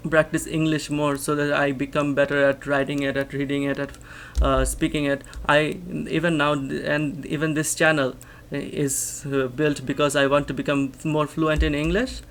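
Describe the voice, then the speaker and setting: A man's voice: a little high, level tone, moderate pace, few pauses, fairly bright tone, slight background noise. A young Bangladeshi man with a Bangladeshi accent, a native Bangla speaker, reading a research paper aloud and explaining it line by line, thinking aloud with frequent restarts and rhetorical "right?"s. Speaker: English teacher and channel host.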